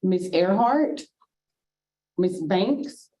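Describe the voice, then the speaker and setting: A woman calls the roll for a council vote, slowly and evenly. She names each member, then repeats the name with the vote. Her tone is mellow and soft-edged. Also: on the low side, lively intonation, poor audio. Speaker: council staff calling the roll.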